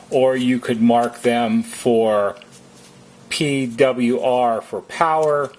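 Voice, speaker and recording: A man giving methodical, step-by-step instructions as a repair technician, in a deliberate how-to narration. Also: medium pitch, darkish tone, husky.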